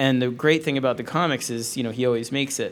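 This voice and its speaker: Speaking at a fairly quick pace, a man with an American accent has an unremarkable speaking voice, medium in pitch with fairly even intonation. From New York City. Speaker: comic book writer. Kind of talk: panel discussion, casual conversation. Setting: stage with audience.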